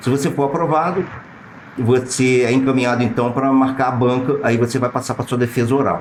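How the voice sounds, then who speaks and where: A man at a medium pitch speaks at a fairly quick pace with very even loudness and fairly even intonation, over noticeable background noise. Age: 50s. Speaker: law graduate, visually impaired speaker. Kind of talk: academic panel talk.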